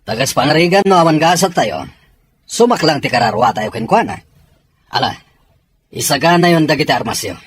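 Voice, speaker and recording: A man playing an earnest soldier in an audio drama, with a rough, husky voice and a Filipino accent. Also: fairly high pitch, expressive, a little fast, long pauses. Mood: grave, urgent. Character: earnest Filipino soldier readying comrades for battle. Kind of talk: Ilocano audio drama acting.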